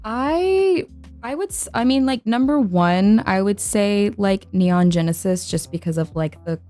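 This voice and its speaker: A woman's voice: mid-range voice, animated, unhurried, dark tone, soft background music. A woman chatting casually on a podcast, hesitant and thinking aloud as she talks. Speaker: podcast guest, anime voice actor.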